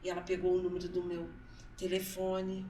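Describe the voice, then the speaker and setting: A woman's voice: fairly low pitch, monotone, moderate pace, mellow, echoey room, recorded from a distance, slight background noise. A mother telling a personal story in an interview. She acts out her son's words and often repeats herself. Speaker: guest, mother. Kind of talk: emotional personal testimony in interview. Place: council studio.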